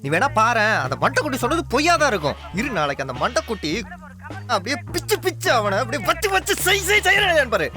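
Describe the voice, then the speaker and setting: An actor playing a loud, squabbling young sidekick in a film comedy, arguing fast over faint music. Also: male voice, sits high, very animated. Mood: bickering. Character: loud, bickering young male sidekick Jack.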